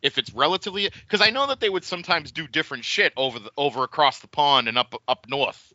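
A man co-hosting a podcast, jokey and quick with asides, in casual chat. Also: a little high, pushed and bright, no echo, dull audio. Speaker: podcast co-host. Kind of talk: casual chat about wrestling.

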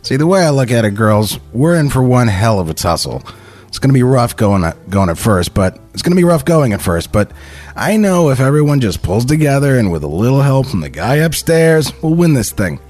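A man's voice: mid-range voice, very animated, fairly quick, darkish tone, faint music behind. A man doing a brash back-slapping station boss. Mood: blustering. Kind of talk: comedic script read-through.

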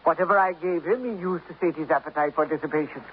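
An actor playing a stern middle-aged literary critic in a 1950s radio drama, speaking in a precise, lofty and contemptuous manner. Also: male voice, on the high side, quick pace, close to an everyday voice. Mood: bitter. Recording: dull old radio broadcast with faint hiss.

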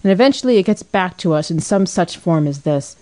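Brief: proud, annoyed young husband, read by a woman narrator, low and mellow. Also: lively intonation, fairly quick, lightly acted. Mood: indignant.

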